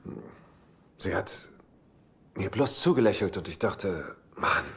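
Animated, self-pitying bachelor womanizer. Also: sits low, takes it slowly. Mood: wistful. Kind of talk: German-dubbed sitcom acting.

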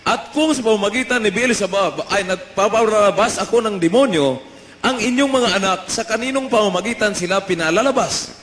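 A Filipino man with a Filipino accent, reading a Bible passage aloud in a steady, formal way during a church service. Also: sits high, brisk. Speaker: scripture reader. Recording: roomy church echo, faint noise.

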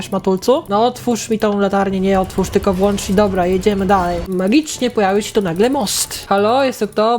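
Playing on her gaming channel, this young host reacts excitedly, swears at the game and talks directly to her audience. She speaks in a mid-range voice.

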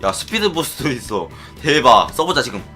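A man giving excitable play-by-play commentary on his Minecraft minigames, often chanting and shouting as he plays. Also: mid-range voice, moderate pace, slightly rough, soft background music. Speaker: gaming YouTuber.

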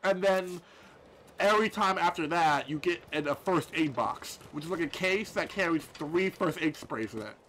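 A man's voice: on the high side, moderate pace, fairly bright tone, a little hiss or hum. A man with a lisp giving rambling, swearing commentary over a horror game, often restarting his sentences. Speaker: gameplay commentator. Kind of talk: let's play commentary.

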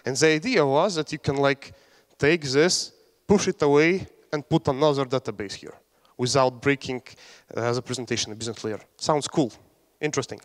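A man's voice: medium pitch, normal speed, hardly any pauses. A young man from Latvia giving a casual, joking technical talk on a conference stage, with fillers and restarts. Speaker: conference speaker. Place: large conference hall on stage. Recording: hall reverb.

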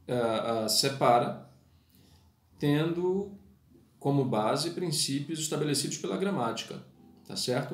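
A man's voice: medium pitch, reverberant. A man teaching a poetry lesson, explaining verse meter in a didactic way and speaking formally to his listeners. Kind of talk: spoken lesson with sung verses.

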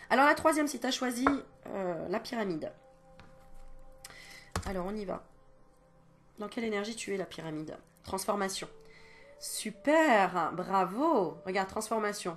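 A French-speaking woman giving a casual, reassuring card reading to camera, talking in a chatty way with many fillers and sighs, coughing now and then. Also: mid-range voice. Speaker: card reader and medium.

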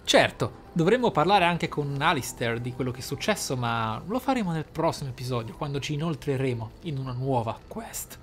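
A man's voice: medium pitch, lively intonation, fairly quick, few pauses, a little hiss or hum. A man giving casual role-play game commentary, musing aloud in an amused manner. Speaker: let's play host.

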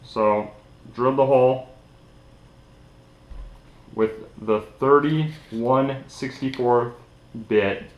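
A man's voice: medium pitch, steady tone, very slow, pauses often, dull audio, slight background noise. A young man giving a casual, informal hands-on tutorial, sitting at a table indoors. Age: young adult. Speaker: DIY tutorial host. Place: small indoor room at a table. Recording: echoey room.

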